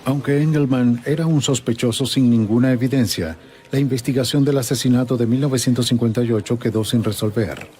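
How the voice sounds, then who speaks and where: A man narrating a true-crime documentary in a measured, even storytelling manner. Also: mid-range voice, husky.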